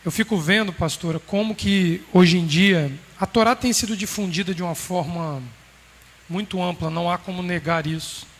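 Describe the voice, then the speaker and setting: A man preaching a sermon to a congregation in a measured, emphatic way with pauses. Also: sits high, fairly even intonation. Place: congregation hall. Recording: roomy hall reverb, faint background noise.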